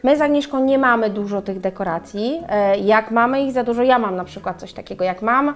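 Lively middle-aged woman co-hosting a chat. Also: a little high, fairly quick. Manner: animated, gesturing, addresses viewers directly. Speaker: co-host. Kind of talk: casual chat. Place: bright room with flowers and windows. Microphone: lapel mic.

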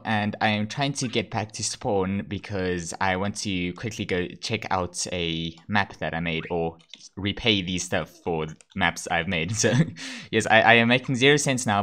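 A man's voice: fairly low pitch, fairly bright tone. A man hosting a gaming channel, giving casual gameplay commentary with frequent giggles, stumbles and self-deprecating asides.

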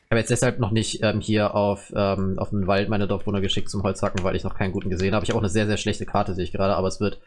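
A man's voice: on the low side, little pitch movement, racing, few pauses. A man hosting his own gaming channel, chatting casually and rambling with many fillers and restarts while he plays a strategy game. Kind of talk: casual gameplay commentary.

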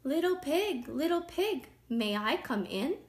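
A woman voicing a friendly male wolf in a storybook, gentle, polite and concerned. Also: sits high, big pitch swings, a little slow, pitched above the performer's own voice, full character voice.

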